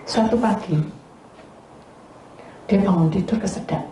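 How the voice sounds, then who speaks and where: A woman pastor, giving an animated sermon that tells a story and puts questions to the congregation. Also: mid-range voice, unhurried. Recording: echoey room with faint noise.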